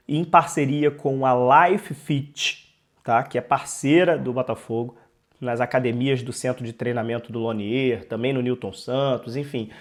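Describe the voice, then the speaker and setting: A man with a Brazilian Portuguese accent, congested with a cold, giving emphatic, conversational football commentary as a channel host, repeating key phrases. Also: medium pitch. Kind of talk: sports news commentary to camera.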